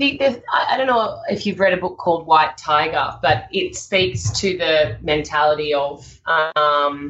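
In an Australian accent, a woman speaks at a fairly slow pace with a fairly low pitch. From Australia, Sydney. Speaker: social enterprise CEO. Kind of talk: interview. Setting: phone call.

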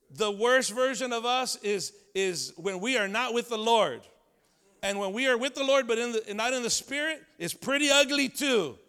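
With an American accent, a man uses a bright, sharp, raised and projected voice at an extremely high pitch, a moderate pace and ordinary pitch variation. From Los Angeles, US. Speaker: pastor. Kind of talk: sermon. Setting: church.

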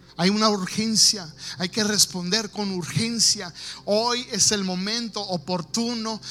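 A man uses a raised, projected voice at a high pitch with ordinary pitch variation. He speaks at a very slow pace over noticeable background noise. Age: 40s. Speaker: pastor. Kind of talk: sermon. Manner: halting.

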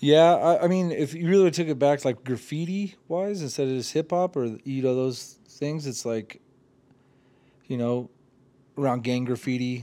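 A man speaks with an American accent and a dark, mellow tone. His intonation is lively and his pace moderate. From Portland, Oregon, US Pacific Northwest. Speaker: graffiti artist and tattoo artist. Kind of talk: casual chat.

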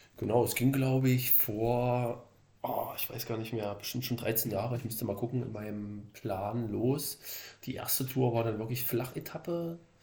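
A man's voice, medium in pitch with fairly even intonation, carries audible room echo as he talks at a moderate pace. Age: 30s. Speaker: cycling tourist. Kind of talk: casual interview.

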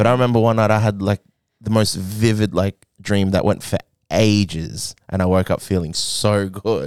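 A man's fairly low voice moves at a moderate pace, his intonation fairly even. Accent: Australian. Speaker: podcast host. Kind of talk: casual chat. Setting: studio.

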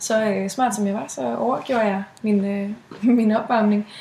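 A woman speaks at a moderate pace and medium pitch. She has a plain, everyday voice. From Denmark, North Jutland. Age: 20s. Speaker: student and writer. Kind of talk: interview.

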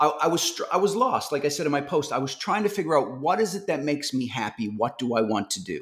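Here a man at fairly high pitch uses lively intonation in an ordinary speaking voice, captured on a very clean recording with a silent background. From Newfoundland, Canada. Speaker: actor and former music TV host. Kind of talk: casual interview chat.

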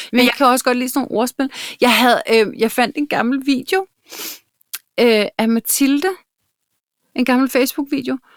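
With long, frequent pauses, a woman speaks at a high pitch with ordinary pitch variation in a dry, close recording with no echo. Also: moderate pace. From Denmark, Copenhagen area (Dragør). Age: 40s. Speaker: podcast co-host. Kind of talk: casual chat.

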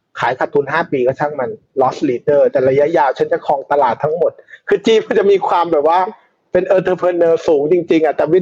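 A man with a high-pitched voice and a dark, mellow tone speaks at a very even loudness with ordinary pitch variation, in a dry, close sound with no echo. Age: 40s. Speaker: investor. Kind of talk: casual interview.

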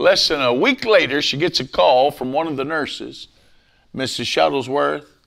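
The recording is very clean, with a silent background. A man talks at a fairly slow pace. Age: 50s. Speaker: evangelist, host's father. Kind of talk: casual chat with preaching.

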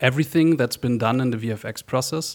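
A man with a German accent, on a very clean recording with a silent background. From Germany. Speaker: visual effects artist. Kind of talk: interview. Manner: hesitant, many fillers.

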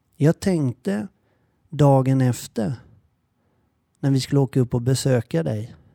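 In a dark, mellow tone at a medium pitch, a man speaks at a fairly slow pace with ordinary pitch variation and long, frequent pauses, in a very clean recording with a silent background and a dry, close sound with no echo. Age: 30s. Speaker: podcaster. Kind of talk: personal letter to late mother, spoken monologue. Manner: emotional, intimate.

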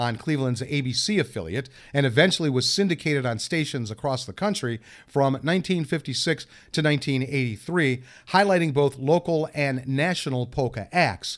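A man with an ordinary speaking voice and an American accent, fairly high pitch and ordinary pitch variation, on a very clean recording with a silent background. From US Midwest, northeast Ohio. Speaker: podcast host playing records. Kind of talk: casual narration.

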